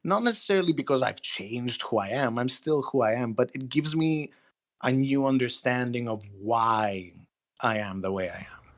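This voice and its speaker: Hesitant man in his thirties, medium pitch. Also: lively intonation. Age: 30s. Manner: hesitant, self-effacing, halting. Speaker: author, interview guest. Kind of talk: casual, candid interview talk.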